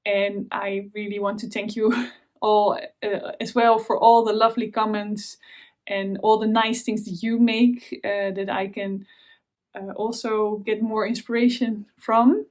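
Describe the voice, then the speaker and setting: This knitting vlog is hosted by a Dutch-accented woman from the Netherlands whose casual, hesitant chat to camera is dotted with fillers and restarts. She has a mid-range, a little mellow voice, a flat delivery, and a measured pace.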